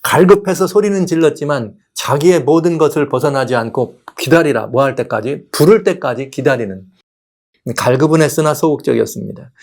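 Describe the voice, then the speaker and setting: A male pastor giving a lively sermon, often putting rhetorical questions to the congregation. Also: on the high side. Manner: animated preaching, asks rhetorical questions.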